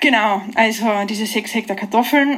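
A woman speaks with ordinary pitch variation. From Austria, Carinthia (Klagenfurt). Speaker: organic farmer. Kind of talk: interview. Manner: hesitant, many filler sounds.

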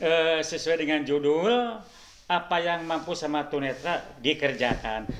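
Speech unfolds at a fairly slow pace. The pitch varies in an ordinary way. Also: man, fairly high pitch for a man. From West Java, Ciamis. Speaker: blind hospital laundry worker. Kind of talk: interview. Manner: halting.

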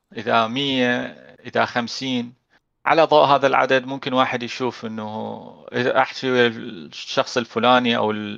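With an Iraqi accent, a man talks very slowly at a medium pitch, his tone bright and sharp and his intonation fairly even. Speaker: games industry business developer. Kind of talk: casual interview.

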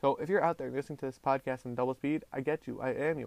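An American-accented man rattles along at a very fast pace, his medium pitch showing ordinary variation. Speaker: college student podcaster. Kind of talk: casual monologue. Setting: home recording. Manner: fast talker.

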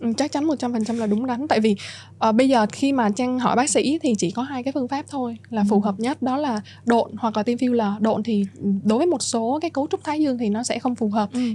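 A woman talks very fast in a high pitch with a dark, mellow tone. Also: ordinary pitch variation. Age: 30s. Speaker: social media influencer. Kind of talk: casual interview.

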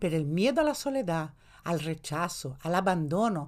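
A woman talks at a fairly slow pace with very wide pitch swings on a very clean recording with a silent background. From Brazil, São Paulo. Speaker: psychologist, self-esteem podcaster. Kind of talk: advice podcast monologue.

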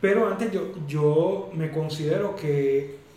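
Very slow speech with noticeable background noise and audible room echo. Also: man. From Puerto Rico, Ponce. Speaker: podcast co-host, community worker. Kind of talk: casual conversational interview. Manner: hesitant, many fillers and repetitions.

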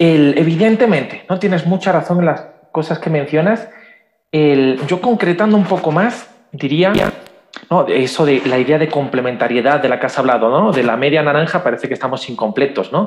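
A man with a Spanish accent and a fairly high pitch uses lively intonation at very even loudness. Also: moderate pace. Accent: Spanish (Spain). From Spain. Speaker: psychology program director. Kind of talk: casual chat.

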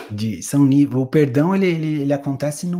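Very clean and silent in the background, the recording holds a man of medium pitch with a dark, mellow tone and lively intonation. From São Paulo, Brazil. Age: 40s. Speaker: musician and music teacher. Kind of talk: casual interview.

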